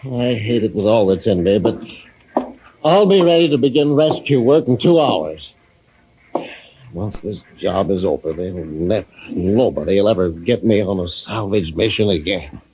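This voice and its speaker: An actor playing a grieving old salvage engineer who is stubborn and talks in a halting, hesitant way, in an old radio drama. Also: male voice, fairly low pitch, animated, warm tone, husky, dull audio. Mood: wounded. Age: older. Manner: halting, hesitant, heavy-hearted. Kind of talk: 1950s radio drama acting. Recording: old radio broadcast with faint hiss.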